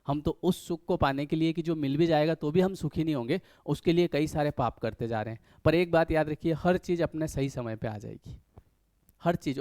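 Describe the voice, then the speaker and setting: A man's voice: fairly high pitch, darkish tone, no room sound. A man giving a casual motivational talk to viewers as a life coach, speaking in a conversational way and acting out little everyday scenes. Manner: conversational, acts out little scenes in other voices.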